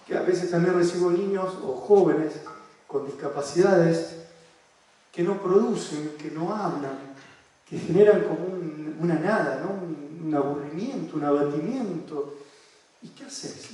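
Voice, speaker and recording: A man's voice: high-pitched, warm tone. A man with an Argentine accent, a psychoanalyst giving a seminar talk, telling case stories animatedly and asking the audience rhetorical questions. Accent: Argentine Spanish. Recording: echoey room, voice from far off the mic.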